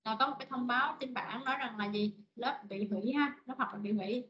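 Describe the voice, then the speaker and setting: A woman teaching an online vocabulary lesson, repeating words slowly and explaining in short phrases. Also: on the high side, lo-fi sound. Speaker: English teacher.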